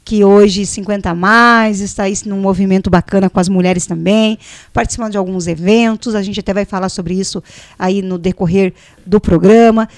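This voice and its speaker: A woman's voice: medium pitch, steady tone, normal speed, no room sound. A Brazilian woman hosting a radio talk show, chatty and encouraging as she leads the conversation. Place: radio studio.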